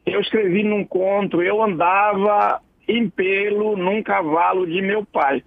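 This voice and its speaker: A man's voice: high-pitched, fairly even intonation, slow pace, gravelly, dry recording. A man giving a casual, digressive radio column as a writer, explaining words with chuckles along the way. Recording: dull lo-fi radio broadcast.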